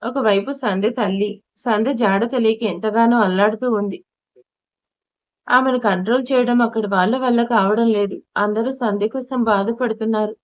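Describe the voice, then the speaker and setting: Fairly high-voiced woman narrating a story. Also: dry recording. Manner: emotive reading with small self-corrections. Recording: dull lo-fi recording.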